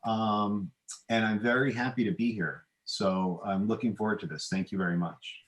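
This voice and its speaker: A middle-aged man, an author and podcast guest, answering in a hesitant, measured, modest way, with a roomy, echoing sound. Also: lowish voice, steady tone. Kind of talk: conversational interview answers.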